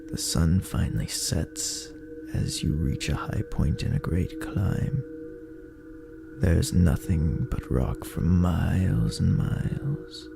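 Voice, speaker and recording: A man narrating a dark horror story in a brooding, theatrical, gravelly voice that often drops toward a breathy near-whisper. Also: low-pitched, slow, over music. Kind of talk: dramatic horror story narration in second person.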